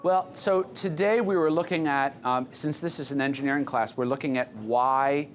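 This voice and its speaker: An American man teaching an engineering class informally, asking students quick questions and repeating their answers. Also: medium pitch, a little hiss or hum.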